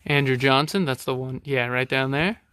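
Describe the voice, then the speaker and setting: A man's voice: medium pitch, normal speed, bright, forceful tone, no room sound. Easygoing man reacting off-camera. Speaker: co-host, the host's son. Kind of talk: casual unboxing chat. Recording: clear background noise with clicks.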